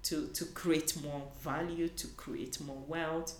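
A woman from Nigeria talks in an earnest, searching way and restarts her thoughts often. Her voice sits a little low. The room is echoey, with a faint hiss underneath. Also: fairly even intonation, slow. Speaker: conference panelist. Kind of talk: conversational interview.

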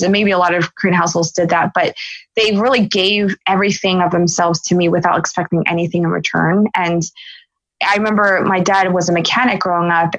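An earnest woman in her forties from Philadelphia shares her story as a podcast guest. She reflects aloud in a lowish voice, often restarting her thoughts. The sound is close and dry, with a slightly muffled, dull quality. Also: fairly bright tone, no echo. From Philadelphia, United States. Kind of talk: podcast interview, personal storytelling.

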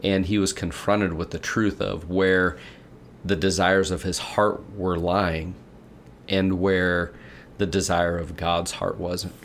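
A man with a lowish voice co-hosts a relaxed faith discussion and retells scripture as a lively story. He slips into quoted voices as he talks, with a faint background hiss. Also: takes it slowly. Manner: animated storyteller, acts out quotes. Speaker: podcast co-host.

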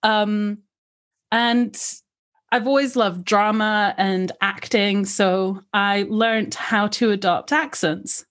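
A woman who grew up in Africa, with an accent that mixes American, British and Scottish traces, telling her life story lively in an interview and laughing often. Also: medium pitch, slow. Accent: mixed, with American, British and Scottish traces. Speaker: podcast guest. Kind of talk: conversational interview.

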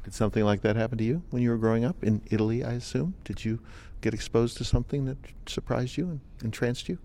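A man hosting an interview podcast, asking questions in a measured, conversational way. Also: medium pitch, steady tone, warm tone, slight background noise. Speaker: radio podcast host. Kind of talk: interviewing a guest.

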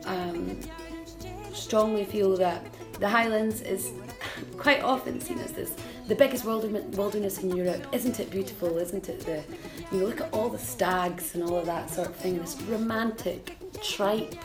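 A woman's voice: mid-range voice, moderate pace, over music. A young Scottish woman, a folk fiddler and singer, talking frankly in an interview with plenty of ums. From Scotland. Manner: frank, lively, frequent ums. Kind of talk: casual interview talk.

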